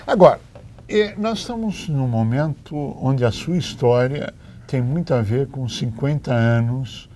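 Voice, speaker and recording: A man's voice: medium pitch, expressive, measured pace, mellow. Male interview host, plain voice. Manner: brief affirming interjections, long framing questions. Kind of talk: interviewer asking questions.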